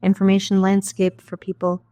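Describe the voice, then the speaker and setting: A woman with a middle-range voice speaks as an interview guest. She answers in a clear, measured and explanatory way, like an expert walking through her work. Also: mid-range voice, completely flat delivery, dark tone. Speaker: policy scientist guest.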